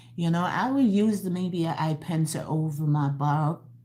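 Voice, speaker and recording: A woman's very deep, low voice with a dark, mellow tone, somewhat breathy, at a moderate pace and with ordinary pitch variation. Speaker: vlogger. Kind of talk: casual livestream talk. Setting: livestream. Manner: imprecise pronunciation.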